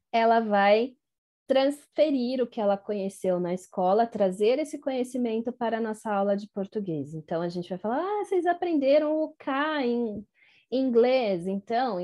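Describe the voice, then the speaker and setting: A woman's voice: on the high side, warm tone. A woman teacher trainer giving an online lecture to teachers, explaining step by step and often checking in with her listeners. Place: home office in Germany.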